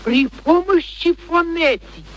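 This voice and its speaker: An actor playing an arrogant, excitable gentleman professor of phonetics in a radio play, declaiming pompously with precise diction. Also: very high-pitched, a little slow, exaggerated voice. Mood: boastful. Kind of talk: theatrical radio play acting. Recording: noisy vintage radio play recording.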